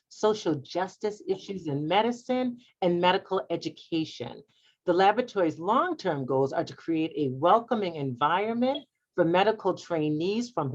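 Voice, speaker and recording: A woman hosting a closing ceremony, reading thanks and an introduction from a prepared script. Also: fairly low pitch. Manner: formal, read from a prepared script. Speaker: program host. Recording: dull lo-fi sound.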